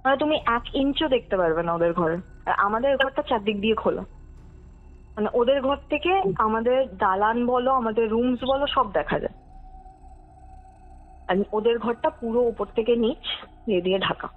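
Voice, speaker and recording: A woman's voice: on the high side, normal speed, pauses often. A young woman tells a personal story conversationally, dropping in English words and checking that her listener follows. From West Bengal, India. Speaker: podcast guest telling her true ghost story. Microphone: phone call. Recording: tinny phone call, music underneath. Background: background music.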